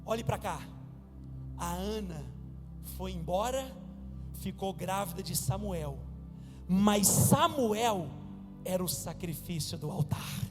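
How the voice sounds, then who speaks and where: A male pastor preaching an animated sermon and calling on the congregation, at times rising to a shout. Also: sits high, slow, pauses often. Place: church sanctuary. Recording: reverberant church hall with music behind. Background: music.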